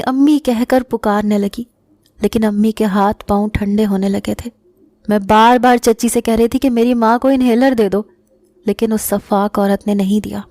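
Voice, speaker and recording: A woman reading a dramatic first-person story in a steady, solemn narrating voice. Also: medium pitch, dry recording.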